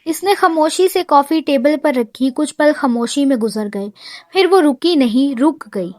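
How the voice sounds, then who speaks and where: A woman reading a romance novel aloud in measured, expressive narration, close to the mic. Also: sits high, no room sound. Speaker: audiobook narrator.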